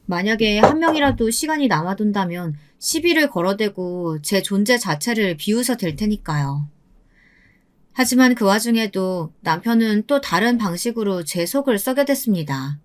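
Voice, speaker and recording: A woman in her seventies calmly recounting her own hard life in scripted first-person narration. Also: mid-range voice, moderate pace. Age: 70s. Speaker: storyteller.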